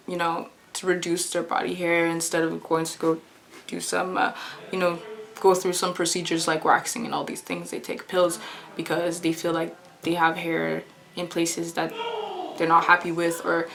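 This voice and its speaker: A woman's voice: fairly low pitch, little pitch movement, normal speed, gravelly. Chatty young woman vlogging, earnest. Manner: chatty, earnest, laughs often, repeats phrases. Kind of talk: casual talk to camera.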